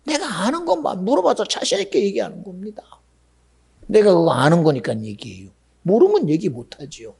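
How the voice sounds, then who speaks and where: A pastor delivering a sermon in a lively, conversational way, often asking his congregation questions. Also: high voice, a little fast, gravelly, slightly rough. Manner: animated, conversational preaching with rhetorical questions. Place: church sanctuary.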